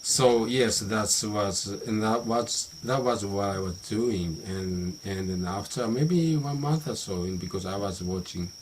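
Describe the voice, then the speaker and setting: Very low-voiced Japanese man, halting English. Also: slight background noise, poor audio. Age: middle-aged. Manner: halting, many restarts and "you know" fillers. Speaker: vlogger. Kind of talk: unscripted monologue practicing English.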